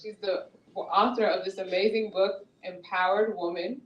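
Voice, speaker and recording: A woman's voice: mid-range voice, steady tone, normal speed, muffled recording. A woman hosting a small book event, upbeat and laughing as she introduces the author. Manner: upbeat, laughs often, reads the bio. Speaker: event host. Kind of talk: introducing a guest speaker. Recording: echoey room from a distance.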